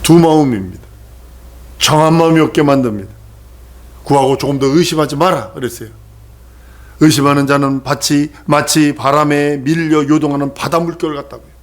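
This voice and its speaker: Male pastor, sermon, emphatic and repetitive, somewhat high voice. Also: moderate pace. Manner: emphatic, repetitive, asks the congregation questions.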